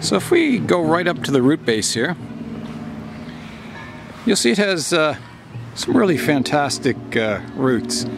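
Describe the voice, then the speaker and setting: Over background music, a man talks at a fairly slow pace in a dry sound with no echo. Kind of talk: tutorial. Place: waterside. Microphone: phone near.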